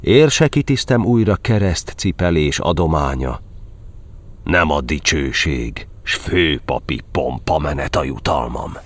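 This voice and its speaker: An actor playing a solemn Catholic cardinal who recalls his ordeals in declamatory, measured verse in an audio drama. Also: very deep voice, animated. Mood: grave, urgent. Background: background music.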